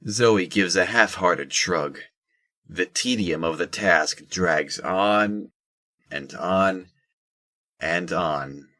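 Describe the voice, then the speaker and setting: A man's voice: deep voice, very slow, sharp tone, no echo. A man narrating a scripted audio drama.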